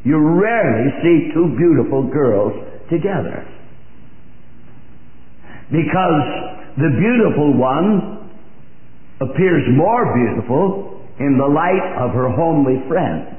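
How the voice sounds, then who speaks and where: Older male preacher, slow emphatic delivery, lively pitch, tinny old hall recording. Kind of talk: sermon.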